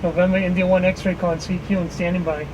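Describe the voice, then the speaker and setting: A man's voice: sits high, heavy background noise. Man making a repetitive ham radio call. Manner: steady, repetitive, measured delivery. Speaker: amateur radio operator. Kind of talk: ham radio call, repeating a call sign in the phonetic alphabet. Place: temporary outdoor radio station run on generator power.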